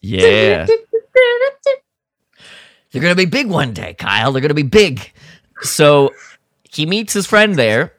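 A man with a very lively, swinging pitch tells a story in a casual, joking way. He sounds like a podcast co-host recapping a plot, recorded close and dry. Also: slow pace, pauses often, no room sound. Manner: jokey, acts out dialogue in mock voices.

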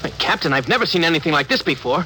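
A man's voice: on the high side, lively intonation, rapid-fire, noisy background, close to an everyday voice. An actor playing an eager, earnest young male crewman in a 1950s radio drama, respectful toward his captain. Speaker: ship's officer.

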